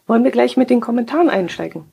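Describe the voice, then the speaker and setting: Slightly hoarse woman podcaster. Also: fairly high pitch, lively intonation, racing, warm tone. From Allgäu, Germany. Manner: chatty, reads listener comments aloud, frequent "äh" fillers. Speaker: podcast host. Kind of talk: casual podcast chat.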